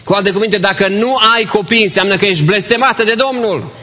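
A man's voice: high-pitched, sharp tone, long reverb tail. A man preaching a sermon to his congregation, asking rhetorical questions and dropping English phrases into his talk. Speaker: pastor. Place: church.

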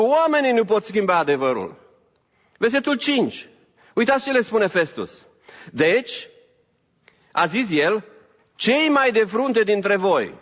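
A man preaches to his congregation, climbing to emphatic peaks and then dropping to quiet asides, with English phrases slipped in. His voice carries through a reverberant church hall. The recording is dull and muffled, with a lo-fi quality. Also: high voice. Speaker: pastor. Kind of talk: sermon.

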